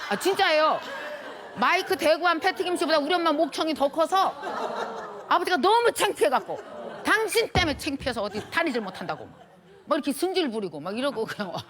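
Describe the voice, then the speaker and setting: A middle-aged woman lecturer tells the audience a personal story in a lively, heartfelt, colloquial way, speaking in a high voice.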